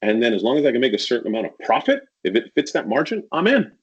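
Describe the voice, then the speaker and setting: A man talking candidly as a guest on a casual podcast, acting out sales pitches as he tells stories. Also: sing-song, fast talker, husky, highs cut off. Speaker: podcast guest, real estate agent.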